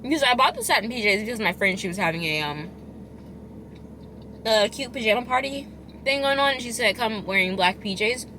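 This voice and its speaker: A woman chatting casually as a food vlogger, chewing while she talks, rambling and expressive with emphatic delivery. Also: a little high, brisk, slight background noise. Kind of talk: casual chatty eating vlog.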